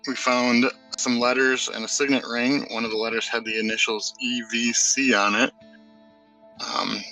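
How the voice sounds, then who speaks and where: A man's voice: medium pitch, level tone, normal speed, sharp tone, recorded from a distance, faint music behind, rough recording. A man playing in a tabletop game, recapping the last session on an audio-only call, rambling with lots of fillers. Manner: self-deprecating, rambling with many fillers. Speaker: player. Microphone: audio only on a video call, no camera.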